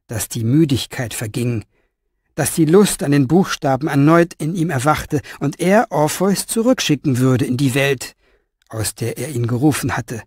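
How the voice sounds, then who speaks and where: A man reading an audiobook with expressive storytelling. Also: mid-range voice, dry recording, studio quality. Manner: expressive storytelling with lively inner voice. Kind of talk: audiobook narration.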